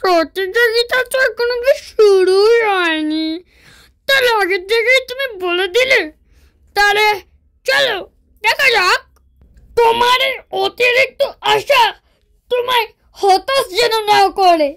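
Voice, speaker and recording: A performer voicing a patient, determined tortoise in a children's cartoon, unhurried and calmly self-assured. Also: very high voice, full character voice. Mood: calm, defiant. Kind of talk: children's moral-story cartoon dialogue.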